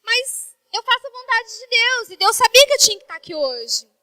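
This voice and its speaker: A woman pastor from Brazil preaches with a very high, bright, sharp voice. The sound is dry and close, with no room around it. She talks to the congregation in a chatty, heartfelt way. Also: sing-song, normal speed, no room sound. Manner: conversational, emotional preaching with quoted dialogue. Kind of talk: sermon.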